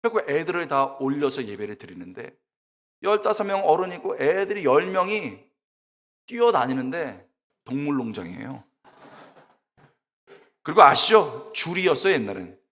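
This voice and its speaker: A middle-aged man preaching a sermon, telling funny stories in an animated, exclamatory way and acting out the people in them. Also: a little high, moderate pace, pauses often. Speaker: guest preacher, preaching professor. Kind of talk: sermon with humorous storytelling. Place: church sanctuary. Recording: long church reverb.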